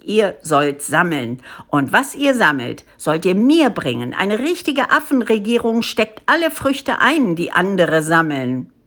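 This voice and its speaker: A woman's voice: mid-range voice, big pitch swings, unhurried, few pauses, fairly bright tone. A woman voicing a pompous, self-important male monkey chief in a storybook, declaiming officiously. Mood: bossy, blustering.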